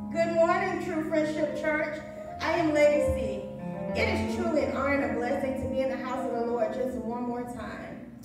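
A woman talks at a moderate pace. Loud music plays in the background, and there is audible room echo. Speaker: church welcome host. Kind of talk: church service welcome and announcements. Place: church.

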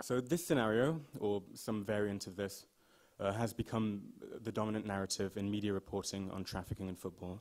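A plain, everyday voice from a man, fairly low in pitch with ordinary pitch variation, at a fairly quick pace over a quiet background. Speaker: PhD researcher. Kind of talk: conference presentation. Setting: stage with audience. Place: hall. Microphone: podium.

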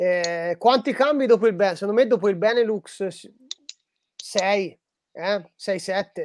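At a fairly slow pace with long, frequent pauses, a woman speaks at medium pitch with ordinary pitch variation, and the sound is dry with no echo. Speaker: live-stream cycling host. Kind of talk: live sports commentary and reaction. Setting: live stream. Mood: relaxed, chatty. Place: home room. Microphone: video call.

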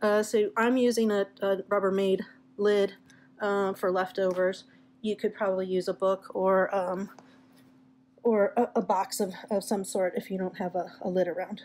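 At a moderate pace, a woman speaks with monotone, flat intonation. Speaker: craft instructor. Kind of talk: tutorial. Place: home room. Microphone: phone near.

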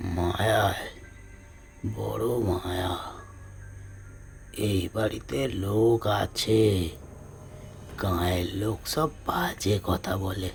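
Through clear background noise, a man does a raspy, put-on character voice at a very deep, low pitch and a very slow pace. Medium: audio drama. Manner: mysterious, slow.

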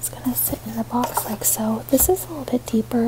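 A soft-spoken voice against noticeable background noise. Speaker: budgeting content creator. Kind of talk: casual talk to camera.

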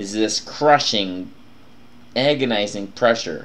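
Very slowly, a man talks in a fairly low voice. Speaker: vlogger. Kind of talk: casual religious reflection vlog. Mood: earnest, animated. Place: home room. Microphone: webcam.

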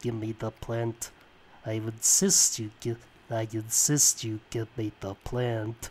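A man puts on a character voice at a medium pitch. He speaks at a very slow pace.

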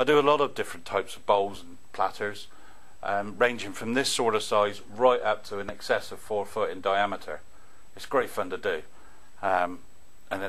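A man uses an ordinary speaking voice with a fairly low pitch. He goes at a moderate pace with fairly even intonation. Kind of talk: interview answer. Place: home room. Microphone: lapel.

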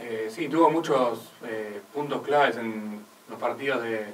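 A medium-pitched man at a very slow pace over light background noise. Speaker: journalism student on air. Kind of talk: radio sports talk show. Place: studio.

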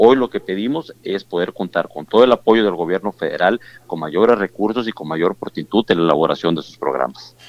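Over music in the background, a man with a Mexican accent talks at a fairly quick pace and fairly low pitch, with lively intonation and big swings in loudness. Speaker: head of state housing agencies council. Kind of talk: radio interview. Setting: phone call.

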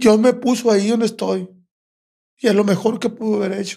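Against a quiet background, a man speaks in a high pitch with a dark, mellow tone and monotone, flat intonation. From Sinaloa, Mexico. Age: 50s. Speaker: rehab center director, recovering addict; podcast guest. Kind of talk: interview testimony. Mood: reflective, personal life story. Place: studio. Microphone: studio mic.

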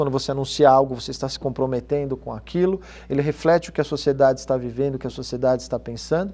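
With a dark, mellow tone, a man talks at a very fast pace. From Brazil. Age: 40s. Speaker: advertising publisher; interview guest. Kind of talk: TV interview. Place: studio.

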